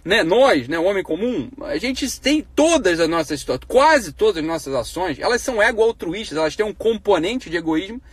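Blunt, profane man, husky voice. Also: high-pitched, sing-song, normal speed, few pauses, no room sound. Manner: blunt and profane, rhetorical questions; grows heated and emphatic. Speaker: live stream host. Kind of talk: casual live-stream monologue on ethics.

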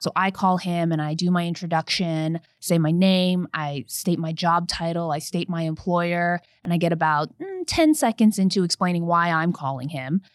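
A young woman attorney telling a personal story in an earnest podcast conversation, growing animated as she recounts events. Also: lowish voice, moderate pace, hardly any pauses, clear, resonant tone, no echo, clean studio sound.

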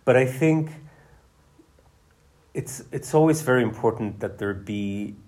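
A male novelist, a guest in a conversational interview, explaining his ideas at length in a measured way. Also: mid-range voice, a little mellow.

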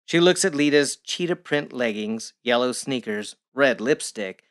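A narrator reading scripted scene descriptions for an audio drama in a measured, matter-of-fact way. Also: medium pitch, expressive.

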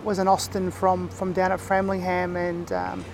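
A man from Victoria with an Aboriginal Australian accent, explaining things reflectively in casual interview talk, often pausing mid-thought. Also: sits high, very animated, slight background noise. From Far East Gippsland, Victoria, Australia. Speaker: interview guest.

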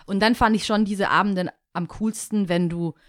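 A woman's voice: medium pitch, steady tone, moderate pace. A woman co-hosting a casual podcast chat, friendly, laughing easily and correcting her partner's wording. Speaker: podcast co-host.

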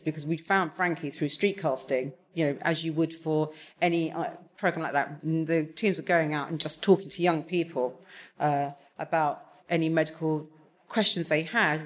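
A woman's voice: sits low, moderate pace. A woman talking on a panel, hesitant, with many fillers and restarts. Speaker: TV executive on a panel. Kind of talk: conversational panel talk.

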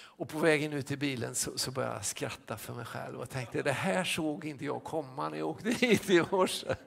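Gravelly-voiced pastor telling a story. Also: male voice, mid-range voice, a bit bright. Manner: halting, many restarts and fillers. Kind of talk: sermon anecdote.

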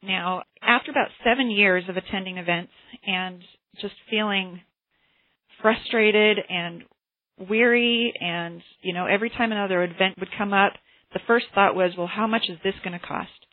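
A woman teaching and hosting a motivational class over a group phone call earnestly shares stories from her own life. She speaks at a normal pace in a mid-range voice, and the dry recording comes through a tinny telephone line.

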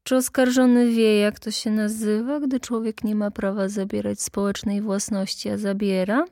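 A woman voicing an elderly, kindly male court chairman who questions the accused slowly and reproachfully. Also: mid-range voice, flat delivery, dark tone, dry recording, clean studio sound, lightly acted. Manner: slow, drawn-out reproach.

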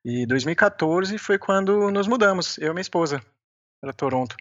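A Brazilian-accented man chats as a podcast guest, and his voice comes through a phone line. The sound is muffled and lo-fi, and his voice is fairly high, bright and forceful. He talks in a relaxed, chatty way and often adds small filler words. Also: normal speed. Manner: easygoing, chatty, sprinkles "né" and small laughs. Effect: heard over a phone line. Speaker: podcast guest, beginner mountaineer. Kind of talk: casual interview chat.

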